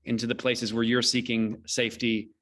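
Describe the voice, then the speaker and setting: A man with a mid-pitched voice hosts an online event. He gives closing remarks in a measured, solemn way, building phrases through deliberate repetition. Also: completely flat delivery, fairly bright tone. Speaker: host, theater company director. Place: indoors, online video call.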